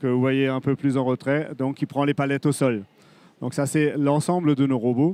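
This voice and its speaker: With an Alsatian accent, a man speaks at a moderate pace in a fairly high, monotone voice with flat intonation, recorded dry and close with no echo against a quiet background. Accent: Alsatian French accent, noticeable. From Alsace, eastern France. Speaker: industrial company executive. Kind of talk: panel presentation. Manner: hesitant, many fillers.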